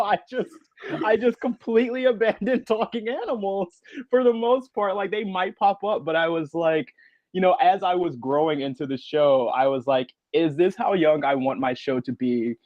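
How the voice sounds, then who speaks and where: A man with a fairly high voice talks casually as a panelist. He tells his stories in an animated, self-mocking way. The sound is dry and slightly dull, like a lo-fi call. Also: no room sound. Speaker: panelist, podcast creator. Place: remote online panel call.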